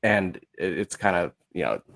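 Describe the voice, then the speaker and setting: A man speaking as a podcast guest in casual chat, haltingly and searching for his words. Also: low voice, lively intonation, creaky, a bit bright. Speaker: podcast guest, musical creator.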